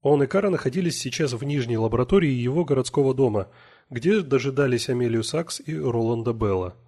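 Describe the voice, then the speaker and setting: Brief: male audiobook narrator, husky, mid-pitched, measured. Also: animated, dark tone. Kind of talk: scripted narration.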